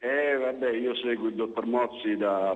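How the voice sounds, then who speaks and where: A man at a fairly slow pace, an ordinary speaking voice with ordinary pitch variation. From Foggia, southern Italy; southern Italy. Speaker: caller. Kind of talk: call-in question. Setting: phone call. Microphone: phone line.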